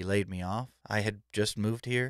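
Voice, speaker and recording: A man's fairly low voice with a Californian accent, fairly even intonation, and a dry, close sound with no echo over a very clean recording and silent background. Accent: General American (Californian). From Los Angeles area, US. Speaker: content creator helping homeless people. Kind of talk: solo vlog monologue. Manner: casual, somewhat rambling with restarts.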